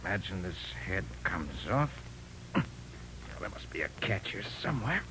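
An actor playing a shrewd, self-assured detective in a 1940s radio drama, brisk and coolly polite as he probes. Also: sits low, sing-song. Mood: confident, deducing. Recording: noisy old 1940s radio recording.

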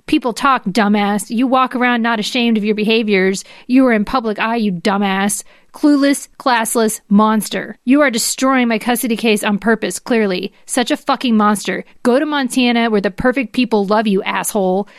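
A woman's voice: a little high, normal speed, no room sound, studio quality, natural voice. A woman acting out an angry, scornful wife in a dramatic reading of furious, insulting text messages, with emphatic delivery.

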